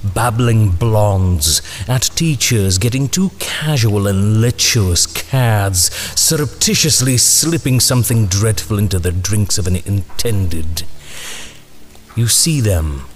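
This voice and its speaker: An actor playing a menacing, eloquent ringmaster in an audio drama, speaking in deliberate, theatrical, archaic phrases. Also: male voice, lowish voice, lively intonation. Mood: predatory, insinuating.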